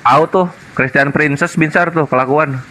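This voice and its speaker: A man's voice: fairly high pitch, fairly even intonation, moderate pace, very noisy. A man debating casually online, mocking and sarcastic in tone.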